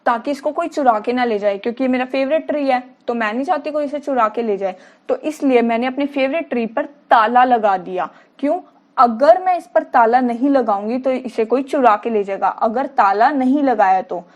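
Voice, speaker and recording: A woman's voice: fairly high pitch, moderate pace, a little mellow, highs cut off. A woman teacher explaining memory tricks to students, asking questions and answering them herself while repeating key words. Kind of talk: mnemonic lesson for students.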